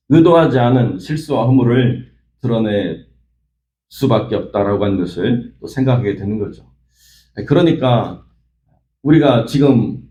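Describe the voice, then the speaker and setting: Korean pastor guy preaching at dawn service, mellow voice, roomy dull church sound. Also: medium pitch. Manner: earnest storytelling with frequent "예" fillers. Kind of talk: early-morning sermon. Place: church sanctuary.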